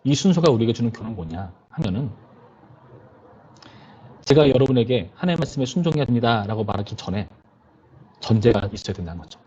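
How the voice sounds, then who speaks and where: A man's voice: mid-range voice, animated, fast talker, long pauses, dark tone, breathy edge, muffled recording. A male pastor preaching to a youth service in a conversational way, often putting questions to his listeners.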